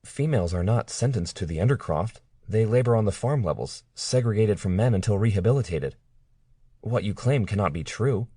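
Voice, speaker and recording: A man raising his voice to play a young captive woman, defiant but frightened, who pleads in an earnest storybook tone. The voice sits higher than his own deep register and stays dry and close. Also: animated, brisk, warm tone, slightly rough, dry recording. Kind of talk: audiobook character reading.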